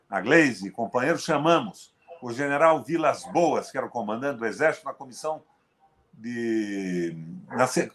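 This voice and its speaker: A man in his seventies hosting a political conversation, talking in an emphatic, forceful way with sharp jumps in pitch and loudness. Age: 70s. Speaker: host, veteran politician.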